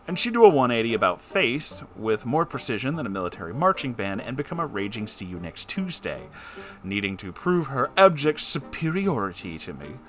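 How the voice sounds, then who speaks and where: With a mid-range voice that sounds pushed and bright, this man hosts a letter-reading show. He performs listeners' letters expressively, then replies with wry, conversational advice, his manner theatrical and dotted with wry asides.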